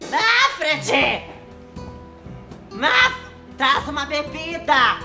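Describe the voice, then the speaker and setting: A man's voice: high-pitched, expressive, moderate pace. A man playing a sassy, haughty aging drag queen, trading catty put-downs in a comedy sketch. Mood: imperious. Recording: loud music behind the voice.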